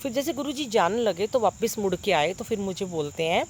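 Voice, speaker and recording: A woman's voice: medium pitch, animated, slight background noise. Earnest middle-aged woman telling a dream. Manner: earnest, wonder-struck, pauses with many fillers. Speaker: devotee sharing a dream with a congregation. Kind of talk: devotional storytelling. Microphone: phone propped nearby.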